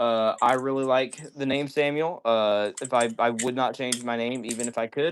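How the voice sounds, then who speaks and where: With music in the background, a man talks with fairly even intonation. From US South, Ozarks. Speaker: balisong streamer. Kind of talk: casual live stream chat.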